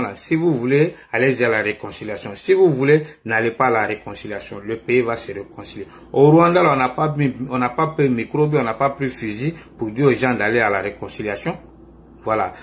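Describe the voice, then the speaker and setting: Male commentator, mid-pitched, taunting and repetitive, fires off rhetorical questions. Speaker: political commentator. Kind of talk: confrontational political monologue.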